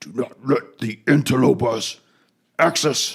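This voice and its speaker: A man's put-on character voice, guttural and medium in pitch, at a fairly slow pace. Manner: commanding, menacing.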